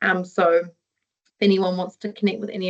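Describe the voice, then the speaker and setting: Medium in pitch, a woman speaks with a New Zealand accent. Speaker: webinar presenter. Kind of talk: online webinar presentation. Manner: fast.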